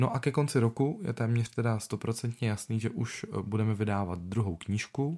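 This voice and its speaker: Using a medium pitch and ordinary pitch variation, a man talks at a moderate pace with hardly any pauses. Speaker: podcast host. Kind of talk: casual chat. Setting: at home on the couch.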